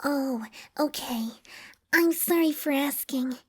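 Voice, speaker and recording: Woman voicing an earnest, high cartoon pony. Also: big pitch swings, brisk. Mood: timid.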